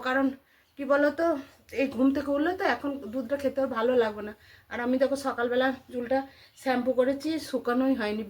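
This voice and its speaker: A middle-aged woman with an Indian Bengali accent chatting casually to viewers in a home vlog, repeating herself and asking rhetorical questions. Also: high voice. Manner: chatty and repetitive, addressing listeners with frequent rhetorical questions. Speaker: housewife vlogger.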